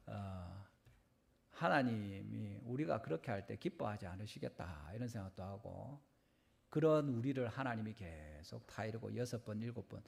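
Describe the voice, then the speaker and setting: A man's voice: mid-range voice, creaky. A middle-aged man, preaching a Sunday sermon earnestly and often retelling conversations in quoted lines. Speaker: pastor.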